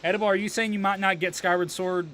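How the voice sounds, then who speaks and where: A man with a high, level, somewhat bright voice talks fast as he live streams a game, swearing and using slang while chatting casually with viewers. A little hiss or hum sits under the poor-quality audio.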